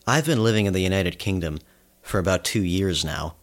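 Deep-voiced young man reading commentary. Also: brisk. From Canada. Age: 20s. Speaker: reporter. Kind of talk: scripted radio commentary.

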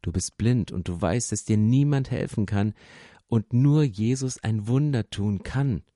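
A man's voice: lowish voice, a little slow, warm tone, no room sound, clean studio sound. Impassioned male pastor preaching. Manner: impassioned, addresses listener directly. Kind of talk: sermon.

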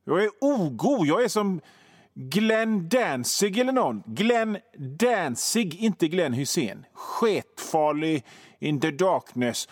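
A man's voice: high voice, no echo, clean studio sound. A man with a Gothenburg accent hosting a radio show, rambling through a self-mocking comic monologue. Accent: Gothenburg Swedish. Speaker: radio host.

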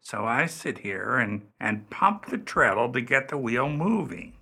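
Man playing a flustered, raspy old-fashioned jeweler. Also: medium pitch, sing-song, unhurried, bright, forceful tone, heavily acted. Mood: obliging. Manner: stammering, hesitant, formal and courteous. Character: flustered, eager male jeweler, courteous and self-assured. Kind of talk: radio play acting.

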